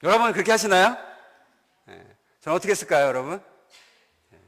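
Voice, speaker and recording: Korean pastor preaching in a reverberant church. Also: male voice, high voice, fast talker. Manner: animated storytelling, asks the congregation questions. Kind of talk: sermon. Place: church sanctuary.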